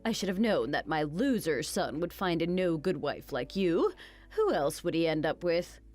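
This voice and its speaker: A woman voicing a cruel, greedy older mother-in-law who mocks and insults in an animated story. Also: on the low side, moderate pace. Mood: sneering. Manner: sneering, insulting, mocking.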